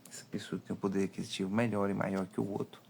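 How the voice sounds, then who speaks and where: Um homem com sotaque brasileiro, falando em uma live de conselhos, em tom enfático e de sermão. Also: male voice, deep voice, little pitch movement, quick pace, creaky, background noise. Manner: emphatic, preachy, acts out dialogues. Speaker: live-stream host. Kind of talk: live monologue, advice talk.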